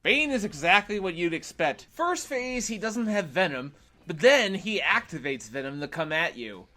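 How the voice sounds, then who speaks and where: A man's voice: sits high, big pitch swings, normal speed, bright, forceful tone. A man reading a scripted video game review, opinionated, with wry sarcastic asides.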